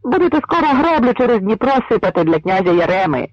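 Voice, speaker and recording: A man voicing a boisterous, mocking male Cossack who jeers in drawn-out shouts. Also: high-pitched, very animated, dry recording, highs cut off, voice pushed up. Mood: jeering.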